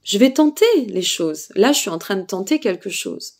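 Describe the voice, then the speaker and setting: A woman's voice: medium pitch, sing-song, moderate pace, a little mellow. Tired woman with a Burgundian accent. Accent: Burgundian French. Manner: hesitant, many fillers, checks in with listeners. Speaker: spiritual guidance consultant. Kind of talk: casual talk to camera giving advice. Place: seated indoors.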